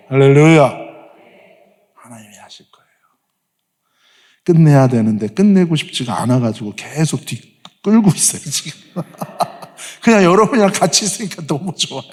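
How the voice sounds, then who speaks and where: A man preaching as a guest pastor, leading the congregation in call and response and telling stories in an animated way. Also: mid-range voice, a little fast. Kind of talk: sermon. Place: church sanctuary. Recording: long church hall reverb.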